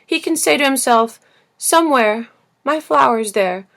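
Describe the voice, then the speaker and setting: Woman playing a little storybook boy prince, high raised voice, earnest, indignant, insistent, emphatic. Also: expressive, unhurried, gravelly, fairly bright tone, heavily acted. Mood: passionate, hurt. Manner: insistent, emphatic, rhetorical questioning. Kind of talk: storybook character voice in audiobook reading.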